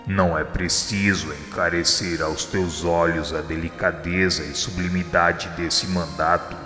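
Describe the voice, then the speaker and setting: A man voicing Jesus as a grave divine figure in a radio drama, speaking with a Brazilian Portuguese accent in measured, solemn pronouncements. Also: low-pitched, fairly even intonation. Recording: heavy reverb with soft music behind.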